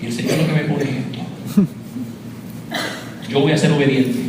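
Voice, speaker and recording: A man's voice: medium pitch, steady tone, normal speed. A man from Rico, giving a fervent testimony sermon and calling his listeners brother. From Puerto Rico. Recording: echoey hall, distant mic, noisy.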